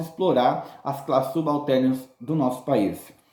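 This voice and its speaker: A man's voice with audible room echo. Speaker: teacher. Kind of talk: lecture. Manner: fast.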